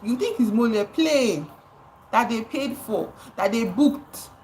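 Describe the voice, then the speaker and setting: A woman's voice: fairly high pitch, animated, slow, a little mellow, slight background noise. Impassioned Nigerian woman livestreaming. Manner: impassioned, repeats words for emphasis, greets chat viewers. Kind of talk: live stream commentary.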